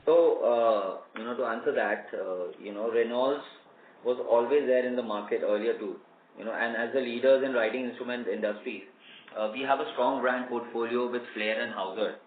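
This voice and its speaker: A man with an Indian accent answering analysts as a company executive, hesitant and measured. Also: medium pitch. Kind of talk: earnings call answers. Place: conference call, roomy space. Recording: echoey, hissy phone line.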